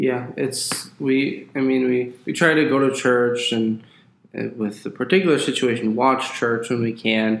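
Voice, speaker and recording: Here a man uses a normal speaking voice at medium pitch, with fairly even intonation and a fairly slow pace. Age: 20s. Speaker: podcast co-host, young father. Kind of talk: casual chat.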